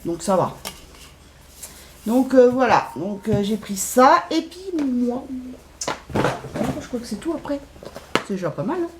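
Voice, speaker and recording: A woman's voice: on the high side, lively intonation, slow pace, pauses often, noisy background. A middle-aged woman chatting casually in a shopping haul video, hesitant with lots of fillers. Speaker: haul vlogger. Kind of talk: casual chat.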